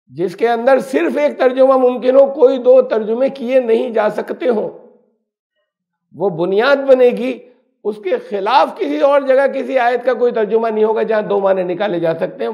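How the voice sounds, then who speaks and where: Male Quran teacher, high gravelly voice, emphatic and explanatory. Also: a little mellow. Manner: explanatory, emphatic, uses everyday examples. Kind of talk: religious lesson.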